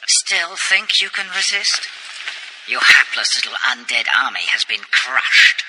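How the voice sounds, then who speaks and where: An actor playing an elderly, courteous yet menacing butler in an anime dub, with a formal, coolly taunting manner. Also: male voice, medium pitch, very noisy. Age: older. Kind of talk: English anime dub acting.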